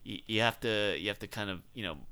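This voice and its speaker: A man's voice: fairly low pitch, fast, sharp tone, clean tone. A man co-hosting a podcast, chatting casually, rambling and restarting his sentences, often breaking into laughter. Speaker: podcast co-host. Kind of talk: casual chat.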